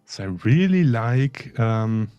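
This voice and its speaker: A man's voice: medium pitch, animated, slow, warm tone, clean tone, no echo, muffled recording, faint music behind. A man co-hosting a live stream, chatting casually and joking wryly while he works, often trailing off with fillers. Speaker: livestream co-host.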